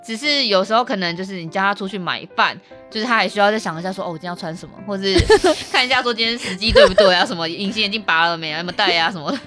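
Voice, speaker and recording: 一位带台湾口音的年轻女主持人，在轻松闲聊，说话热闹，常常笑。. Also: female voice, medium pitch, very fast, faint music behind. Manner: chatty, animated, laughs often. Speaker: co-host. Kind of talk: casual chat.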